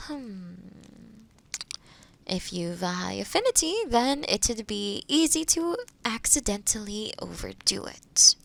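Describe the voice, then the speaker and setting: A woman playing a kind, skilled witch in an intimate roleplay audio drama, gently reassuring, with soft near-whispers and thoughtful murmurs. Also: mid-range voice, lively intonation, takes it slowly, creaky, heavily acted. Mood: patient explaining.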